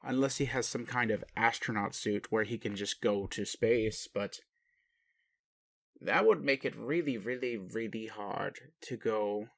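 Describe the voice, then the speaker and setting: A man playing a gentle, puzzled alien daddy in an intimate roleplay audio, indulgent and bemused, with questioning hesitations. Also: on the low side, unhurried, creaky, dry recording, clean studio sound. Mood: incredulous, musing. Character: gentle, puzzled alien daddy, adult male spaceship commander. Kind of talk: intimate roleplay audio, speaking to one listener.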